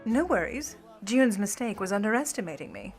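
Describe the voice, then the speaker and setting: A woman's voice: medium pitch, sing-song, a little fast, soft background music. A woman playing a cool, sly, condescending Hollywood starlet and jewel thief with syrupy politeness in a noir radio play. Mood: cool, cutting.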